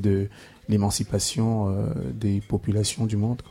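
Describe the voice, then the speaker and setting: A man with a fairly low pitch and a dark, mellow tone. His voice is somewhat breathy. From Cameroon. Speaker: singer-songwriter. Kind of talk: radio interview.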